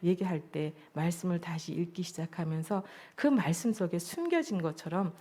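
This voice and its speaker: A woman's voice: lowish voice, moderate pace, dark tone. A woman junior pastor preaching a sermon at a church service, earnest and reflective as she shares her own testimony.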